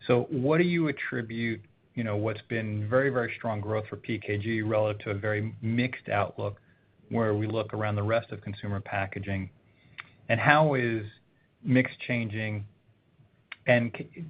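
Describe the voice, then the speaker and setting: A man working as a financial analyst, putting wordy, roundabout questions to executives on an earnings call. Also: lowish voice. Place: conference call. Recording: dull call line with faint noise.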